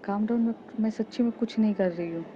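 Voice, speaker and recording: A woman's voice: mid-range voice, brisk, dull audio, a little hiss or hum, close to an everyday voice. Woman voicing pleading, coaxing teacher.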